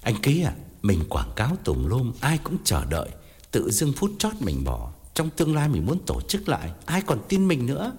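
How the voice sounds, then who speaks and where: A man's voice: medium pitch, huge pitch swings, normal speed, darkish tone, slightly rough, big-room sound. A man voicing a pushy middle-aged man who pleads and grows indignant, insistent in his talk. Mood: pleading. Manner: insistent, pleading then angry.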